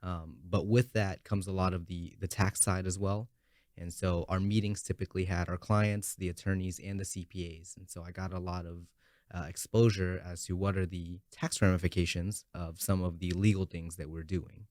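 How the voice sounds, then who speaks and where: Man, young adult, interview guest, low voice, calm, measured, dry sound. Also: no room sound. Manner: calm, brief, measured answers. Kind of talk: casual interview.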